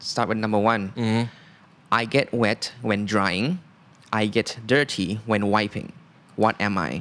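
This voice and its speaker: A man with an American accent talks at a fairly slow pace and fairly low pitch, with ordinary pitch variation. His long, frequent pauses sit in a very clean recording with a silent background. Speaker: English teacher co-host. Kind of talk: casual word-game chat. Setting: studio.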